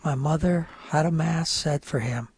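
A man in his fifties from northern New York, whose first language is French, telling his story as a radio guest in a rambling, halting way. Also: a little high, slightly rough. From northern New York, French-speaking home. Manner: rambling, halting with many fillers. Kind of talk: casual radio interview storytelling.

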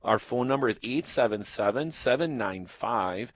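A man's voice: mid-range voice, expressive, moderate pace. A man hosting a live radio fundraiser from a church, chatting in a rambling, easygoing way with a headset mic. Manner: rambling, warm-hearted, self-interrupting. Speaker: radio host.

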